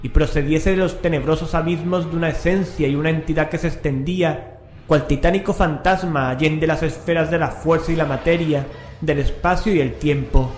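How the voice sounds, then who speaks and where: A man's voice: a little high, fairly even intonation, normal speed. A man narrating a scripted horror story in a solemn, dramatic manner. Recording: echoing, music underneath.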